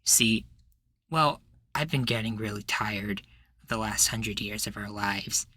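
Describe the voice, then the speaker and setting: Man playing an earnest, bright-voiced young rebel. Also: on the low side, a little slow, no room sound. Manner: pleading, insistent. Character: earnest, indignant young male radical activist. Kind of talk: ASMR roleplay of a podcast guest.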